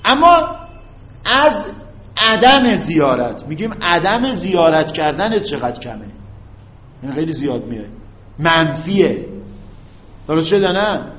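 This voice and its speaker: A man teaching an Arabic grammar lesson to a class. He stretches out the example phrases slowly and keeps checking whether his students follow. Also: a little high, sing-song. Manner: drawn-out recited Arabic examples, frequent check-ins with students. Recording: muffled, echoey classroom recording.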